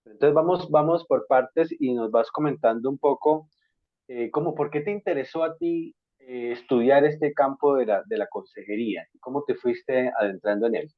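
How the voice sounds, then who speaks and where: A man's voice: medium pitch, no room sound. Colombian man on a tinny call. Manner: courteous, measured, with many hesitations. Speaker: interviewer, school counselor. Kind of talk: formal interview hosting. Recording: dry, tinny call audio.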